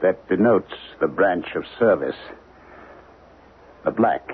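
Deep-voiced, haunted professor, muffled radio sound. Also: male voice, animated. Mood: intense recollection. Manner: halting, repeats words, intense. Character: earnest male professor gripped by resurfacing alien racial memories. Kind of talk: 1970s radio drama acting. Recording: muffled, noisy old radio broadcast.

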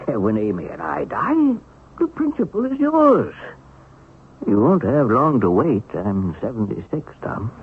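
A wily American man in his seventies for a radio play. His voice is very husky and swings widely in pitch as he coaxes in a folksy way. It comes through thin, like an old broadcast over a phone line. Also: huge pitch swings, unhurried, full character voice. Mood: coaxing. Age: older. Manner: folksy, coaxing, chuckling. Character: wily, folksy seventy-six-year-old pensioned bank-heist mastermind. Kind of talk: 1970s radio drama acting.

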